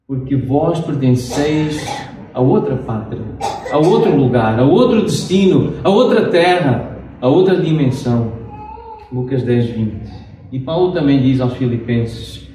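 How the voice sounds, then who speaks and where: Portuguese pastor preaching in an echoey church. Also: male voice, fairly high pitch, darkish tone. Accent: European Portuguese. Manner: measured preaching with slow emphatic pauses. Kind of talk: sermon. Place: church sanctuary. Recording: very echoey church, distant mic.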